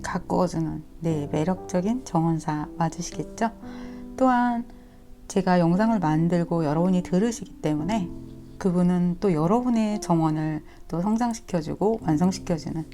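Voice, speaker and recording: Woman tarot reader, mellow lowish voice, a touch sore-throated, gentle coaxing delivery, faint music under. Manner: gentle, coaxing, addresses viewers directly. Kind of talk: tarot reading to viewers. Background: soft instrumental music.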